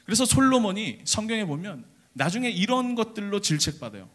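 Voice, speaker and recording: Young male junior pastor, slightly high voice, very lively intonation, animated storytelling sermon that acts out the characters. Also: fairly quick. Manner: speaks directly to the congregation with questions. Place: church service.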